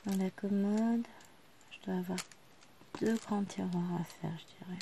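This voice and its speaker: A woman's voice: medium pitch, fairly even intonation, unhurried, gravelly, slight background noise. A woman in her thirties, a vlogger chatting casually to the camera while she works on a craft at home. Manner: chatty, talking quietly to the camera while working. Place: living room at home.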